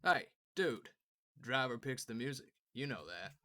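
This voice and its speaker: A man's voice: mid-range voice, big pitch swings, a little slow, sharp tone. A man playing an opinionated middle-aged father in an audiobook drama, with a matter-of-fact manner. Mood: firm. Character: Dad, opinionated middle-aged father who enjoys arguing.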